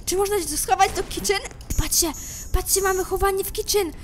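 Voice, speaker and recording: A woman commenting on a game she is playing. She speaks to her viewers, moving from hushed suspense to loud panicked shouting. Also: very high-pitched, fairly quick. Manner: talks straight to viewers, swings from hushed suspense to screaming panic. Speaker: gameplay commentator.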